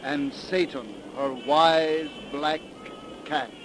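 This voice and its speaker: A man announcing a radio drama in a formal, crisp 1930s style. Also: fairly high pitch, extremely slow. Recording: noisy 1930s radio recording.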